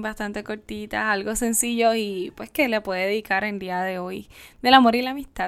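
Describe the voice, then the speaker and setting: This woman has a Puerto Rican accent and a bright, sharp tone with fairly high pitch. Her pitch varies in an ordinary way, and the recording is very clean with a silent background. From Puerto Rico, Camuy. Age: 20s. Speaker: podcast host and poet. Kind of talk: casual chat.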